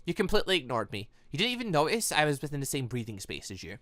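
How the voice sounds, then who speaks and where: Man voicing a haughty game villainess, bright. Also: fairly high pitch, very animated, fast talker, no echo, clean studio sound, pitched below the performer's own voice. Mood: affronted.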